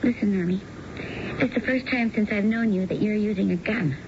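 A woman's voice: mid-range voice, a little fast, natural voice. An actress in a 1970s radio drama playing an anxious young woman who is a thief's accomplice, earnest and questioning. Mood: worried, pleading. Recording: dull, noisy old radio broadcast.

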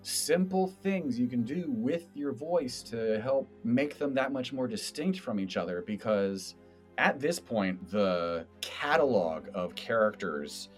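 An American man from the East Coast, a podcast game master, chatting and explaining in an animated, expressive way. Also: mid-range voice, slow, soft background music. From East Coast of the United States.

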